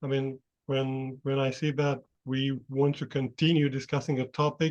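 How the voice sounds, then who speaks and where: Here a man speaks at a moderate pace in a fairly high pitch. His intonation is monotone and flat. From Romania. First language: Romanian. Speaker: collaborator in online university project. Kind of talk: video call meeting. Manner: halting.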